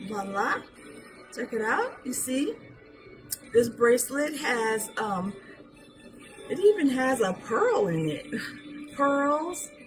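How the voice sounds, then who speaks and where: A middle-aged woman with a hoarse, somewhat high voice chats slowly while showing off jewelry on a live sales stream. She talks into a webcam at arm's length in a small room. Faint music plays behind her. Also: sing-song, poor audio. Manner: chatty, slow, showing items up close. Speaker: jewelry seller. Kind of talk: live sales show chat. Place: small decorated room indoors.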